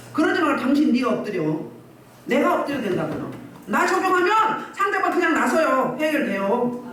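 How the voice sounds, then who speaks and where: Woman pastor preaching hard, lively pitch all over, echoey and far off from the mic. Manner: scolding, exhorting, rhetorical questions. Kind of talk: sermon. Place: church hall. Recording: echoey distant church recording, faint noise.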